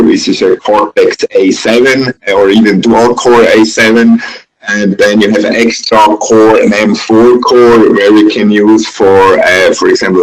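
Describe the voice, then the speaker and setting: A man from Switzerland with a Swiss accent, moderating a webinar question-and-answer session in a hesitant, halting way. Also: lowish voice, low-quality recording.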